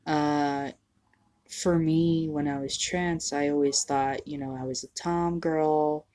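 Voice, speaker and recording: A young trans man talking candidly to the camera in a casual home vlog, halting and self-deprecating, sniffly from allergies. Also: fairly high pitch, steady tone, a little mellow. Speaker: vlogger. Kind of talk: casual personal vlog monologue.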